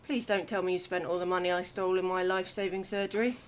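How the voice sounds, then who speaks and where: A woman's voice: lowish voice, fairly even intonation, quick pace, natural voice. A woman playing a sceptical, grudging bank robber on the run in an audio drama. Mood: dry. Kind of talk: amateur audio drama acting.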